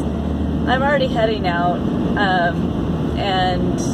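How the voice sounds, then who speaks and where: There is loud background noise behind this woman's voice. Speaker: van traveler vlogger. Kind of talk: casual vlog chat. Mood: reflective, musing. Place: car. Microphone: camera far.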